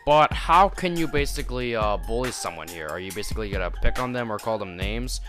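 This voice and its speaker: A man voicing an excitable, bewildered school principal who rambles with many fillers and restarts. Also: lowish voice, brisk, over music, close to an everyday voice. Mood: questioning. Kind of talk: amateur animation voice acting.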